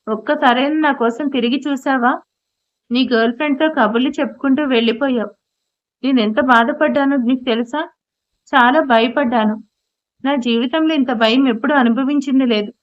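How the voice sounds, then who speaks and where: A woman's voice: high voice, lightly acted. A woman voicing a hurt young wife who speaks reproachfully through tears. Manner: reproachful, tearful. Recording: dull lo-fi audio.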